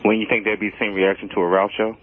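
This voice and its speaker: A man with a low, flat voice calls in to a radio show. He speaks casually and questioningly, and the sound is muffled. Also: rapid-fire, a little hiss or hum. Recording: dull muffled radio call.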